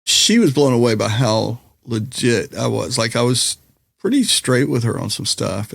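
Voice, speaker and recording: A middle-aged man with a slightly raspy, gravelly voice speaks in a relaxed, candid way. He is reflective and easily drifts into jokes. The sound is dry and close, with no room around it. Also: mid-range voice, no room sound. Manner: candid, reflective, jokey storyteller. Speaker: podcast guest, musician and comedian. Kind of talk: casual conversational interview.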